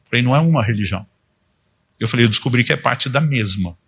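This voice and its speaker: A man's voice: medium pitch, expressive, quick pace, fairly bright tone, breathy edge. A man in his fifties, a pastor giving a conversational sermon and acting out quoted dialogue as he tells stories. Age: 50s.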